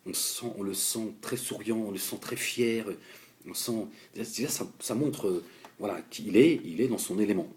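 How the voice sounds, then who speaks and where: A young French man giving a heated political monologue, halting and repeating words as he addresses a politician directly. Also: on the low side, darkish tone. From France. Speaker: political commentator.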